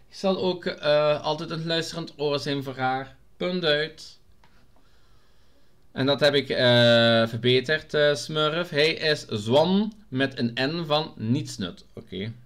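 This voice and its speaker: Vlogger, male, Limburg Flemish accent, slow and halting delivery, casual comment-reading Q&A. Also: a little high, a bit bright. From Belgium, Limburg. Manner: unhurried, hesitant with frequent filler sounds.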